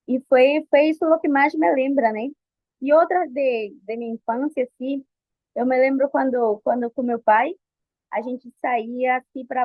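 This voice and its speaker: A Colombian woman in her twenties, high-voiced, answers interview questions hesitantly in Portuguese, which she speaks as a second language with a Colombian Spanish accent. As the guest she sounds nervous and restarts a lot. The recording is dry and phone-like.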